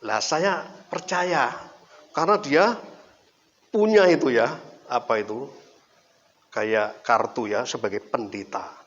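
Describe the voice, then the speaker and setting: A male preacher with an East Javanese accent talks through a relaxed sermon like an everyday chat, telling stories and repeating words for emphasis. His voice sits at a middle pitch. The recording is dull and lo-fi. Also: slow pace, long pauses. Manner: chatty, anecdotal storytelling with repetition. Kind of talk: casual conversational sermon.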